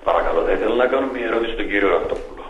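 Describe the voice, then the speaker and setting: Low-voiced taunting male caller. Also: reverberant, dull audio, a little hiss or hum. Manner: taunting, confrontational. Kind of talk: radio call-in.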